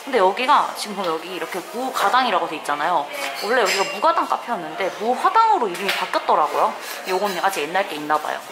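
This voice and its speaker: A young woman giving a casual, expressive food review to camera as she tastes, with a playful manner. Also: mid-range voice, fast talker, hardly any pauses, reverberant, background noise. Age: young adult. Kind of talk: casual review chat to camera while tasting baked goods. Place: small living room at home, also a cafe. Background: background music.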